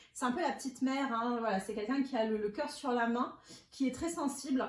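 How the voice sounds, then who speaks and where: Noticeable background noise sits behind a woman with a high pitch and ordinary pitch variation. She talks at a fairly quick pace, her loudness very even. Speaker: tarot reader. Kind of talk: tarot reading. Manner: hesitant, many fillers.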